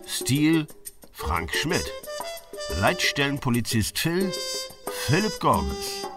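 Male credits announcer, slow lively read, music bed underneath. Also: mid-range voice. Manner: measured, announcing. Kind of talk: reading closing credits.

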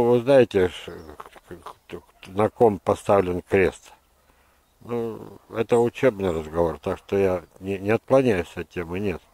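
An older man, a gardener giving an unscripted, opinionated lesson, talking in a halting, digressive way. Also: sits low, darkish tone, dry recording. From Russia. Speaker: gardener presenting his orchard. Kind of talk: unscripted instructional monologue. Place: outdoors in a hillside orchard.

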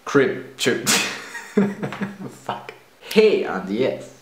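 Lively German-accented young man. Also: mid-range voice, very slow, reverberant. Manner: playful, self-mocking, reads questions aloud then answers. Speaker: vlogger. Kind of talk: casual accent-tag video. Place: room indoors. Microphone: camera at close range.

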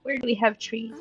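High-pitched playful woman, casual gamer. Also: slightly rough, muffled recording. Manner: playful, exclaiming, mutters to herself. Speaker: let's play host. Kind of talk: casual gaming chat, thinking aloud.

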